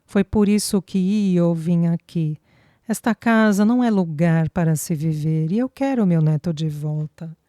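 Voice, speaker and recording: A woman's voice: lowish voice, unhurried, mellow, no room sound, clean studio sound, close to an everyday voice. A woman voicing a stern old Italian father. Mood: humble, firm. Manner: blunt, sprinkles Italian words. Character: older Italian immigrant father, stern but repentant.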